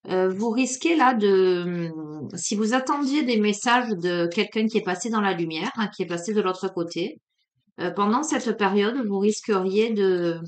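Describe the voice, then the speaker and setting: Slow, unhurried woman with a southern French accent. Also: mid-range voice. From Marseille, France. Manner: hesitant, many fillers, drowsy and unhurried. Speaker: card reader. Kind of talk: casual oracle card reading.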